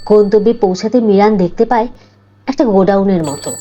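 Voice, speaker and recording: A woman's voice: medium pitch, fast, mellow. A woman narrating a scripted cartoon story.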